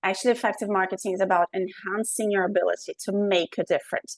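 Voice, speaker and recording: A woman with a Portuguese accent speaks at a fairly quick pace and a medium pitch. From Brazil. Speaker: marketing and communications presenter. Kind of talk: presentation to an audience. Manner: fast.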